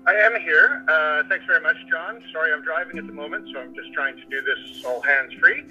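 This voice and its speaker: A man's voice: fairly high pitch, a little fast, pushed and bright, soft background music. Man on a car speakerphone. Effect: car speakerphone, talking hands-free while driving. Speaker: bus company general manager. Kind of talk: casual video call introduction. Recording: dull lo-fi hands-free car line.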